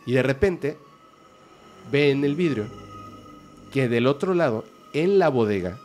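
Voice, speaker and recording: Podcast guest, male, mid-pitched voice, vivid casual storyteller with faint music behind. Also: expressive, unhurried, a little mellow.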